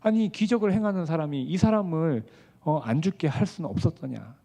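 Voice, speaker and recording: A male pastor preaching a sermon, asking the congregation questions and swinging between hushed asides and raised, emphatic passages. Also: on the high side, lively intonation, brisk, creaky.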